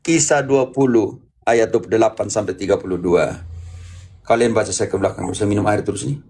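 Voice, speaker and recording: A man's voice: on the low side, fairly quick, darkish tone, a little hiss or hum. A man preaching as a Catholic Bible teacher, emphatic, repeating phrases and prompting with questions. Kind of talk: interactive Bible teaching, apologetics.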